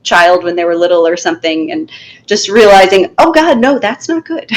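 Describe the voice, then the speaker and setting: A middle-aged woman, a special needs teacher, talking in an interview in a firm, animated way and acting out what she says to her class. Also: medium pitch, moderate pace. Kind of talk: conversational interview.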